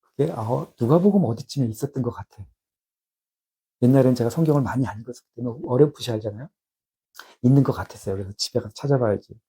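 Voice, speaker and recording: A man in his fifties giving a personal spiritual testimony, reflective and halting with many restarts. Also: medium pitch, dark tone, breathy edge.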